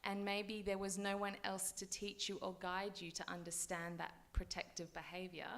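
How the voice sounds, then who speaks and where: A woman therapist on a forum panel explaining her work in a clear, counselling way on a handheld mic. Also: medium pitch, completely flat delivery, moderate pace, fairly bright tone. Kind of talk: panel discussion. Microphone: handheld microphone.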